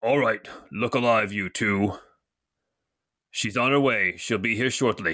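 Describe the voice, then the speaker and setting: At a moderate pace, a man uses a put-on character voice at medium pitch, with long, frequent pauses. The recording is very clean, with a silent background. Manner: brisk, commanding.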